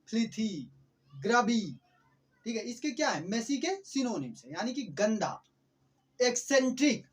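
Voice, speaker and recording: A man teaching English vocabulary who keeps asking quick questions and repeating each word before answering it. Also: very high-pitched. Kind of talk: explanatory vocabulary lesson.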